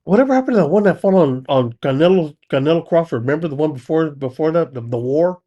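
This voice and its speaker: A man's voice: on the high side, lively intonation, fast talker, warm tone, lo-fi sound. A man co-hosting a sports podcast, chatting casually with short, laid-back reactions. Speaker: podcast co-host.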